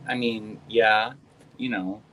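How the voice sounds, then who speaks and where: A woman's voice: very deep voice, fairly even intonation, takes it slowly, slight background noise, low-quality recording. An actress playing an anxious, apologetic trans woman volunteer helping a caller over a video app, in a hesitant way. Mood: earnest. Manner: hesitant and apologetic, with frequent "I'm sorry". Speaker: volunteer on a visual-help app call. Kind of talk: stage play performed over video call.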